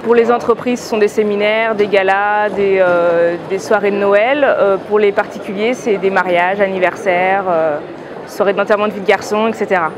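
A woman's voice: mid-range voice, steady tone, normal speed. A young woman in her twenties interviewed at a crowded trade fair, matter-of-fact as she lists her plans. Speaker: aspiring business founder. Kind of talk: street interview. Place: busy indoor exhibition hall. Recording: busy crowd noise behind. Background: crowd chatter.

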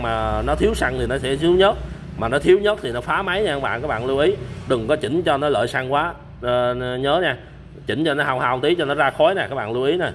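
Holding his phone camera as he films, a man gives a chatty nighttime demo of used machines in a storage area packed with them. His mid-range voice is a bit bright, and he fills his talk with fillers and frequent "các bạn"; a little hiss or hum is audible.

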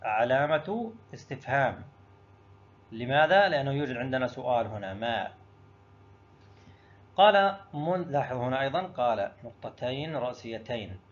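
A man's voice: mid-range voice, lively intonation, moderate pace, pauses often, dull audio. A male teacher going through an exam review lesson, explaining each answer step by step and asking himself questions before answering them. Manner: addresses students directly.

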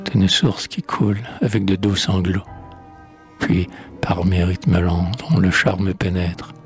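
A man reading the part of a compassionate god, speaking in a gentle, consoling recitation. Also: low-pitched.

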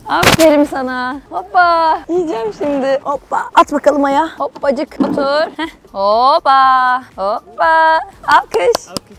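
A woman's voice: high-pitched, slow pace, noisy background. A young woman vlogging outdoors at a playground, coaxing and playing with a toddler in a playful sing-song voice. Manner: playful, coaxing, sing-song baby talk with frequent laughter. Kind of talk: casual vlog, talking to a toddler.

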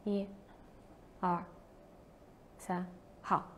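A young woman hosting a casual livestream, telling a story in an animated way and acting out her own past shouts. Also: lowish voice, drawn-out words, slight background noise. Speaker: livestream host.

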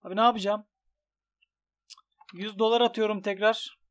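Young male gaming streamer, high voice, excitable, groans and yells at his own bets. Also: moderate pace. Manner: excitable, swings from grumbling to shouting at losses. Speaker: gaming YouTuber. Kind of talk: commentary on an online gambling site.

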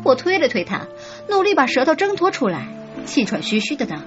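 A woman's voice: high-pitched, big pitch swings, a little fast. A woman narrating a romance audiobook in first person, telling it expressively. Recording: slightly dull audio with soft music.

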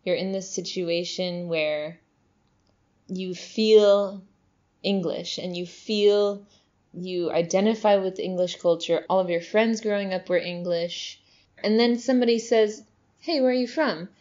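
A woman's voice: medium pitch, measured pace, darkish tone. A woman hosting a podcast, chatting casually and supportively with her guest. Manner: chatty, supportive, many fillers. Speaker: podcast host. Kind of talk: casual interview. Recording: dull lo-fi audio.

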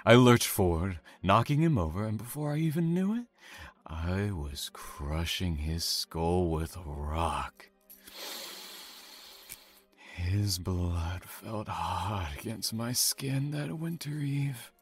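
Man acting a slow, low-voiced sadistic serial killer. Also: expressive, husky, soft background music, exaggerated voice. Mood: calm, relishing. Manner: menacing, deliberate, theatrical, savoring words. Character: sadistic male serial killer, calm, taunting, self-satisfied. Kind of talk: audio drama acting.

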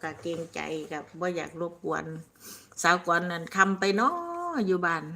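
Bright-voiced older Isan woman chatting live. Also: fairly low pitch, level tone, moderate pace, gravelly, a little hiss or hum. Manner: chatty and rambling, laughs often, calls herself by name. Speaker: livestream host. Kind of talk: casual live-stream chat reading viewer comments.

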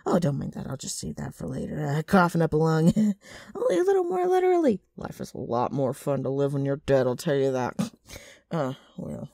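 A brash, scheming ghoul talks straight to the listener in an ASMR roleplay. Her voice is low and very husky, with rambling patter that swings widely in pitch. She clears her throat and trips over her own sales pitch. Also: wildly swooping pitch, a little fast, dark tone, no echo, studio quality, full character voice. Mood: sly, coaxing. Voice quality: rough, raspy. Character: gross, brash, scheming female ghoul ghost.

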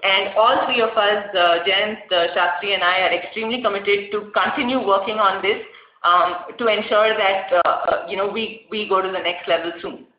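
A woman's voice: mid-range voice, fairly even intonation, normal speed. An Indian-accented woman speaks as a company executive on a conference call. Her voice is a little muffled behind a face mask. The line sounds dull and roomy, with noticeable echo. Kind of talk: prepared remarks on an earnings conference call.

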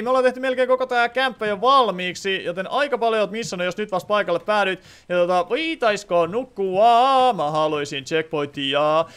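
Young male streamer, slightly high, clear voice, loose and chatty, thinks out loud while building. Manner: chatty, thinks aloud, reads chat comments. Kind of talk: casual gameplay commentary.

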